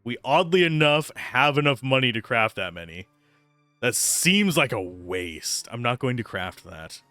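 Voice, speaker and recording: Male game streamer, lively varied intonation, commenting and narrating on-screen text, dry close mic, faint music. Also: medium pitch, a little slow, no echo. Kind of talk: live playthrough commentary, reading game text aloud.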